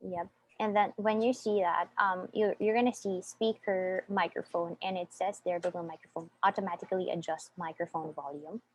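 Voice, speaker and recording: A woman's voice: on the low side, steady tone, normal speed, slight background noise, poor audio. A woman with a Filipino accent, teaching a one-on-one voice lesson over a video call and patiently walking her student through each step. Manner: patient, many fillers and restarts, steps through instructions. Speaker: online voice teacher. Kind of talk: guiding a one-on-one online voice lesson.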